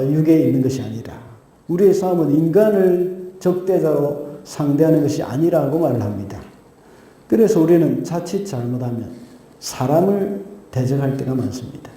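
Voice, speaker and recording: A man preaches a Sunday sermon with a deep, very mellow voice. His delivery is measured and steady, punctuated by brief affirming asides. The sound rings through a strongly reverberant church sanctuary. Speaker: pastor. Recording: very echoey church hall.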